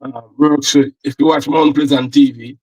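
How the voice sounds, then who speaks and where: A man's voice: medium pitch, steady tone, moderate pace, a little mellow, breathy edge, poor audio. A Jamaican man, a football analyst, chatting casually and rambling with repeated words. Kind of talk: casual chat.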